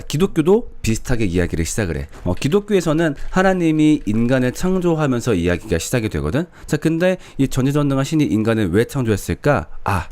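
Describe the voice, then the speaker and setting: Guy casually explaining religion through stories, lively up-and-down voice, rhetorical questions. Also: medium pitch. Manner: informal, asks rhetorical questions, acts out dialogue. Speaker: explainer of Christianity.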